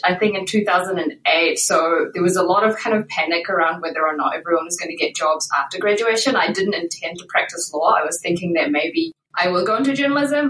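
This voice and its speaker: A woman's voice: on the low side, fairly bright tone, reverberant, distant mic, rough recording. A woman in her late twenties with a New Zealand accent, a podcast guest talking casually with lots of fillers and hedges. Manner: chatty, with many fillers and hedges. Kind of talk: casual interview talk.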